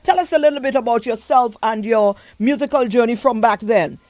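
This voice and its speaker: Very high-voiced radio host. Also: male voice, a little fast, dry recording. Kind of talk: radio interview.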